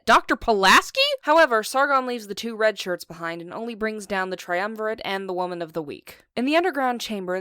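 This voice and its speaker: A woman's voice: mid-range voice, fairly bright tone, no echo, clean studio sound. A woman hosting a scripted comedic review, narrating in an irreverent, casually profane way. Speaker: video essay host and reviewer.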